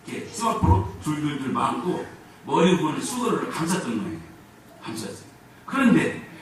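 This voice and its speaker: A man preaching a sermon as pastor, with animated swings between loud and soft. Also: fairly high pitch. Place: church sanctuary. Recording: echoey church hall from far off, faint noise.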